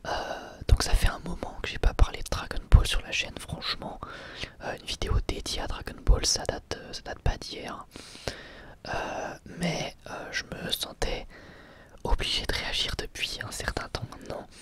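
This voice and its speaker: A young man speaks in a breathy whisper close to the microphone, giving casual, unscripted ASMR commentary with hesitant pauses. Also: bright, forceful tone.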